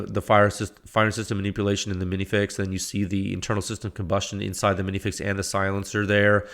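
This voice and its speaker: Male podcast host, a bit stuffy from a cold, lowish voice, hesitant explainer. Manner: halting, restarts and fillers, explanatory. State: congested with a cold. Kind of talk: technical talk.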